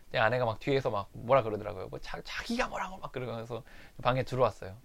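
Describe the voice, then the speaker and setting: A man's voice: medium pitch, sing-song, quick pace, creaky, fairly bright tone. A man candidly recounting a fight with his wife in a personal recovery diary monologue. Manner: candid, confessional storytelling.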